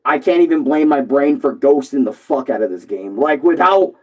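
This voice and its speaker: A young gaming streamer with a hoarse voice rants to his viewers in a loose, casual way, swearing and rambling with lots of filler words. He speaks expressively at normal speed with a medium pitch.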